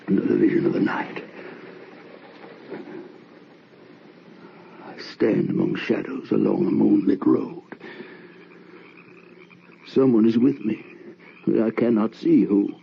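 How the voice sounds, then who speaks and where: A haunted husband confesses his crime in an old horror drama. His delivery is slow and halting, circling back over words, with a creaky edge to the voice. The old recording is dull, with light noise behind him. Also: lowish voice, full character voice. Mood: hushed dread. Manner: halting, repeating words, tormented. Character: haunted, guilt-ridden husband confessing his wife's murder. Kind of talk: old-time radio horror drama acting, dramatic monologue.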